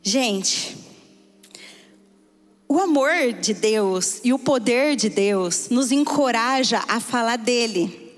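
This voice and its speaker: A woman with a Brazilian Portuguese accent preaching a sermon, telling a story and swinging between hushed and excited tones. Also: fairly high pitch, takes it slowly. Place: church hall. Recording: hall reverb.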